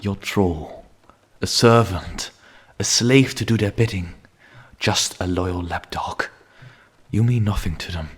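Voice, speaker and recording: Male performer as grim vampire hunter, low-pitched, heavily husky and breathy, half-whispered, solemn, formal, menacing, ASMR roleplay. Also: slow pace, heavily acted. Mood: scornful urgency. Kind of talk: ASMR roleplay, dramatic monologue.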